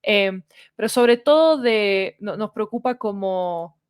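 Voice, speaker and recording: A woman's voice: mid-range voice, animated, slow, smooth. Latin American woman explaining in casual conversation. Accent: Latin American Spanish. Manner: explanatory, checks in with tag questions. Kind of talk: casual conversational podcast talk.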